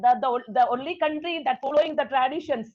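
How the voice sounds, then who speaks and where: Female law lecturer, high-pitched, unhurried, explanatory, dull recording. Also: fairly even intonation. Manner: explanatory, repeats key terms, slow deliberate English phrases. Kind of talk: law lecture mixing English and Malayalam.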